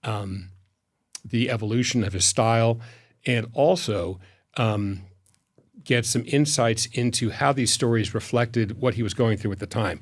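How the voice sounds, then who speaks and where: A man speaking as an interview guest in a measured, reflective way, telling anecdotes with pauses. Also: medium pitch. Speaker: foundation president, interview guest.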